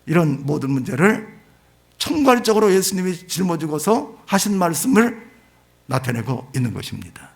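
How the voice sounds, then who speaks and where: Guy pastor preaching, kinda high voice w lots of gravel, really leans on his phrases. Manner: emphatic, rising to drawn-out stressed phrases then dropping low.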